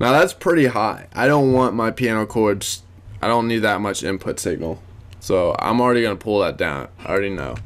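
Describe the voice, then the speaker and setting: Delivery runs at a fairly quick pace. It is an unremarkable speaking voice. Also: man. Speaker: music producer and mixing engineer. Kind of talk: tutorial. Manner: casual, with many fillers.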